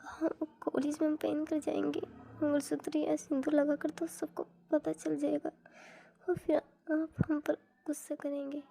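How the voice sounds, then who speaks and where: A woman voicing a timid, tearful young bride who pleads softly and hesitantly. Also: sits high, completely flat delivery, unhurried, creaky, voice pushed up.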